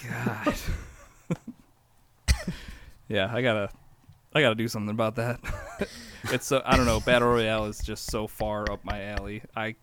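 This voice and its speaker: A man's voice: lowish voice, level tone, normal speed, long pauses, fairly bright tone, a little hiss or hum. A man hosting a casual gaming podcast, chatty and joking, laughing often as he talks. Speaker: podcast host.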